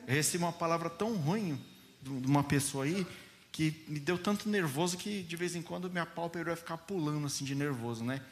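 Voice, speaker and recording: A pastor delivering a sermon in a gentle, deliberate voice that sits slightly high for a man. He speaks slowly, as he himself says, to weigh each word, and keeps addressing the congregation as dear ones. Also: slight background noise. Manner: slow, gentle delivery addressing listeners as "queridos".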